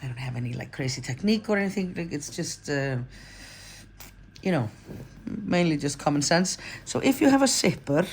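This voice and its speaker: Low-voiced Icelandic woman, chatty crafter. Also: very animated, normal speed, slight background noise. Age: 40s. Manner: chatty, rambling, self-correcting with fillers. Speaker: crochet pattern designer. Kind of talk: casual how-to tutorial.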